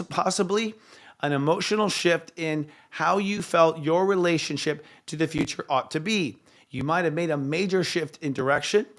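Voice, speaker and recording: A man with a hoarse voice, hosting a live astrology show in a chatty way, with frequent fillers and self-corrections. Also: on the high side, a bit bright.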